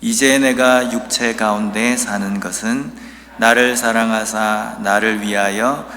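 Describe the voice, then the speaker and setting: A man from Busan, South Korea, with a Busan accent, preaching a sermon as a pastor, telling stories earnestly and reading scripture slowly and emphatically. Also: lowish voice, fairly even intonation, pushed and bright, in a large hall. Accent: Busan dialect.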